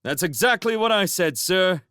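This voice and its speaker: A man's voice: high-pitched, animated, normal speed, bright, forceful tone, clear, resonant tone, no room sound, voice pushed up. A man voices a crafty young male otter in a storybook reading. He plays the innocent with a raised, pleading tone, then drops to a conspiring whisper, on a dry close mic.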